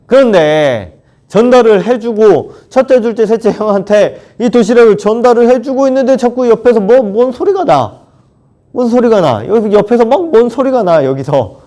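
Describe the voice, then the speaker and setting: A young man, a children's ministry pastor, telling a Bible story to kids in an animated storytelling way and acting out the characters. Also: sits high, normal speed. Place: church, recorded alone. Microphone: camera mic, unmasked solo recording.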